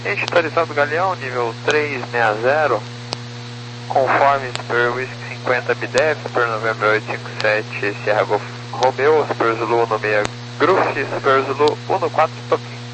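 A man's voice: medium pitch, normal speed. A Brazilian man, an airline pilot, giving terse procedural readbacks over a crackly aviation radio. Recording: noisy, humming cockpit radio transmission.

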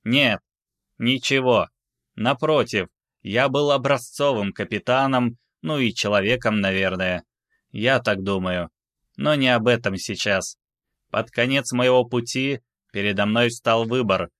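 A man voicing an ancient, courteous cyborg, once a captain, who tells his story in an unhurried, reflective way in a science fiction audiobook. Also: medium pitch, fairly bright tone, no room sound, clean studio sound, close to an everyday voice. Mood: reflective, proud.

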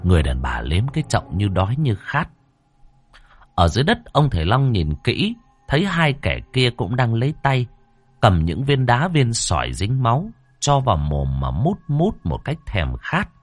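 A man's voice: mid-range voice, huge pitch swings, normal speed, dry recording. A man narrating a horror story with a dramatic, suspenseful delivery. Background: faint background music.

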